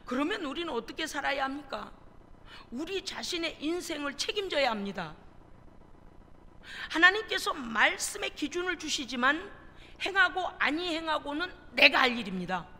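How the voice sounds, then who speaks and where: A woman's voice: high-pitched, animated, normal speed, sharp tone. A woman pastor preaching a sermon in a church, earnest and full of rhetorical questions. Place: church sanctuary. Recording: reverberant church hall, faint noise.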